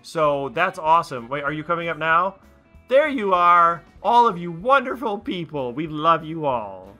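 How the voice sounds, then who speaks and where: A man's voice: a little high, very animated, measured pace, pushed and bright, soft background music. A man talking casually as a writer-producer, giving commentary on his own show.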